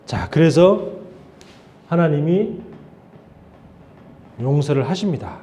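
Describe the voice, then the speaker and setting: Man, pastor, Sunday sermon, animated, conversational, fairly high voice, mellow. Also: takes it slowly. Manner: animated, acts out quoted voices of God and Moses; conversational, asks the congregation questions. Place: church sanctuary.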